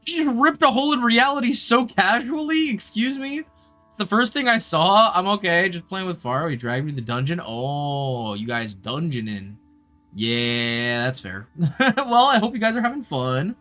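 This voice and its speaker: VTuber-style streamer, female: deep for a woman, highly animated, chatty, slangy, casual reactions. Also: normal speed. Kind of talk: casual live gameplay reactions and chat. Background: game music.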